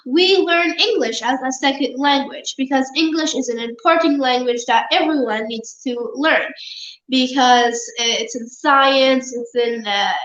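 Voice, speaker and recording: A woman's voice: sits high, fairly bright tone. A girl from Palestine, answering interview questions earnestly, with many fillers and restarts. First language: Arabic. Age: child. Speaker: guest. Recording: roomy, muffled remote audio.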